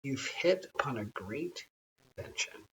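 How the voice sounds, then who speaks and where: A reader acting a loud, bossy storybook tribal chief. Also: medium pitch, lively intonation, unhurried, recorded from a distance, slight background noise, close to an everyday voice, poor audio. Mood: grand, proclaiming. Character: gruff, bossy tribal head chief, male, grandiose. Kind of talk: acted storybook dialogue.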